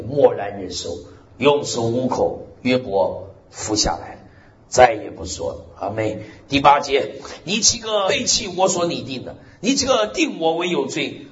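A man preaching a sermon, scattering amen and hallelujah through lively, animated delivery. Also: medium pitch, echoey room, lo-fi sound, a little hiss or hum. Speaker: pastor.

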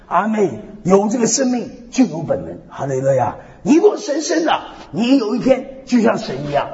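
A man preaching a sermon with lively storytelling, repeating "hallelujah, amen" again and again, swinging between loud and soft. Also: high-pitched. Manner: peppers speech with "hallelujah, amen" refrains. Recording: echoey hall, dull lo-fi sound.

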